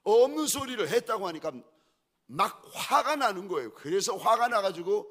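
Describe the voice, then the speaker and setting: A man preaching a sermon as a pastor, swinging between hushed pleading and loud exhortation, with repeated rhetorical questions to the congregation. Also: a little high.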